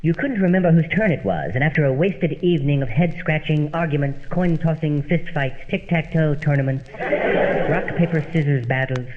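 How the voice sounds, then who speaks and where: An actor playing a formal, droll, long-suffering butler in an old-time radio comedy, deferential and deadpan. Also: male voice, fairly high pitch, moderate pace, natural voice. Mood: droll recital. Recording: very muffled, noisy old-time radio sound.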